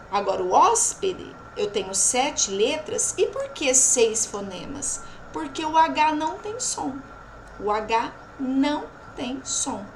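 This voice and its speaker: A woman's voice: a little high, a little hiss or hum, rough recording. A Brazilian Portuguese woman teaching a lesson, drawing out example words and checking in with her class after each point. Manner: slow, drawn-out pronunciation of example words. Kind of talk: recorded remote lesson.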